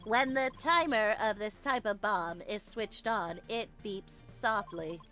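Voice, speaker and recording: Woman as a slow-talking, self-important male bomb expert. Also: mid-range voice, bright, forceful tone, faint music behind. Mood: matter-of-fact. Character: proud, defensive male bomb-disposal specialist on the witness stand.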